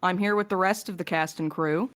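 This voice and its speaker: A woman with a slightly low voice hosts a relaxed panel Q&A. She talks in a casual, conversational way as the host of the group. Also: brisk. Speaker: podcast host, producer and voice actor.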